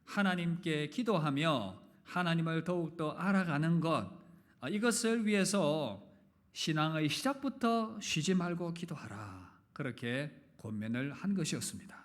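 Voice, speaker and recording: A man from the Gyeongsang region preaching a sermon in a church, his rather high voice swinging through a lively range. He puts questions to the congregation and jokes with them, and now and then opens a point with a sudden loud push. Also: unhurried. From Gyeongsang region, Korea. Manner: animated, with sudden loud emphatic openings. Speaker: pastor. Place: church sanctuary. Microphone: live-streamed service mic.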